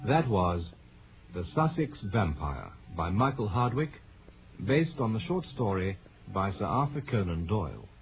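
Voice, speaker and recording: A man's voice: on the low side, very animated, measured pace, low-quality recording. A man with a British accent reading credits formally as a radio continuity announcer. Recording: vintage radio broadcast with faint noise.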